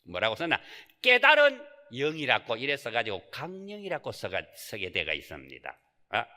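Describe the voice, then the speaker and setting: A Buddhist monk gives a Sunday Dharma talk in a temple hall, his medium-pitched, bright voice forceful and swooping wildly in pitch at a normal speed. He poses rhetorical questions and drops folksy asides. The sermon is recorded with the hall's reverberation.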